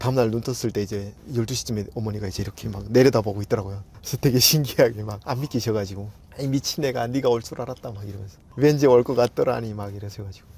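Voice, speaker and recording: A man speaks very fast at medium pitch, his tone dark and mellow. His voice is somewhat breathy, with big swings in loudness. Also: fairly even intonation. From North Korea (Hyesan region). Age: 30s. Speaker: North Korean defector. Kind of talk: interview testimony.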